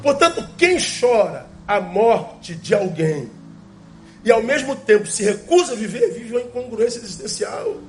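A male pastor, preaching a sermon emphatically with rhetorical questions and slowly repeated key phrases. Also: high voice, big pitch swings, darkish tone, faint music behind.

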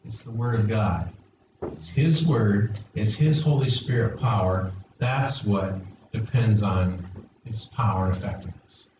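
A man's voice: on the low side, measured pace, darkish tone, slight background noise. A male pastor's sermon voice, heard from far back in a very echoey church hall on a dull, muffled recording. He keeps the congregation involved, tossing them questions and asking for replies. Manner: engaging, questions the congregation and calls for responses. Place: church sanctuary.

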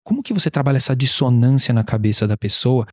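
A man's voice: medium pitch, expressive, fast talker, no echo, clean studio sound. A man hosting an interview who asks long, thoughtful questions and chats with his guest. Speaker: interview host.

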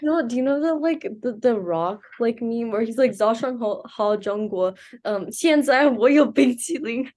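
A woman's voice: a little high, lively intonation, moderate pace, hardly any pauses, darkish tone. A young woman guest on a podcast, talking from her bedroom in a rambling, hesitant way with frequent laughs. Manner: rambling, hesitant, lots of fillers and restarts, laughs often. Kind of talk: casual chat.

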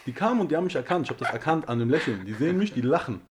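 A young adult man from Germany, a comedian, telling an animated story in casual chat and often asking whether he is understood. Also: medium pitch, slight background noise. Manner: rapid, animated, frequent "you know what I mean" asides.

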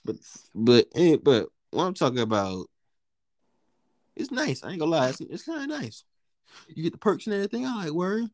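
A young man with a deep voice chatting casually with a friend, full of slang, restarts and laughter. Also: sing-song, darkish tone, dry recording, studio quality. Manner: loose slangy talk, quick laughs, rambling restarts. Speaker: co-host of a casual chat. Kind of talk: casual chat between friends.

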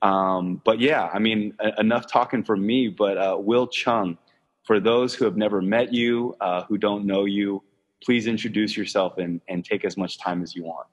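A man hosting an interview, affirming his guest warmly with frequent interjections like "wow.". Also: lowish voice, steady tone, normal speed, breathy edge, long reverb tail, muffled recording. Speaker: interview host. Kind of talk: casual interview.

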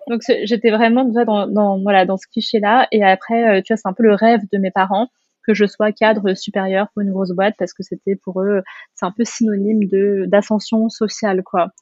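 A woman's voice: medium pitch, dry recording, muffled recording. A woman in her thirties, born and raised in France, chatting casually as a guest and filling her talk with hesitations and tu vois. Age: 30s. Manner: casual, many fillers and tu vois. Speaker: guest, restaurant founder. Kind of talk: casual interview chat.

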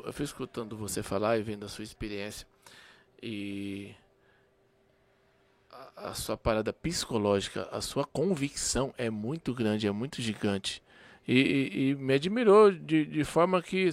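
A man's voice: medium pitch, gravelly, no room sound. A man co-hosting a casual podcast, effusive and slangy, often repeating himself. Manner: effusive, slangy, halting restarts and repetition. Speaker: podcast co-host.

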